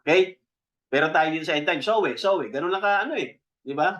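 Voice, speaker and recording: Filipino-accented male pastor, conversational sermon delivery, voice a bit high, slows on key words. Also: a bit bright. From Philippines. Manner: conversational, checks in with the congregation. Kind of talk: Taglish sermon teaching.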